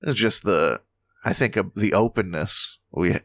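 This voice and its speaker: A man's voice: on the low side, a little slow, dry recording, clean studio sound. A man co-hosting a podcast, chatting casually with jokes and a lot of swearing. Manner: animated, joking, swears freely. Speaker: podcast co-host. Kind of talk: casual comedic chat.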